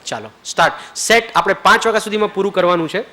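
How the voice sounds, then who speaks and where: Racing through his words, a man leading a retreat takes the group through a forgiveness ritual, with English phrases mixed in. He repeatedly makes sure everyone is following, then drops to a soft, low voice while leading prayer.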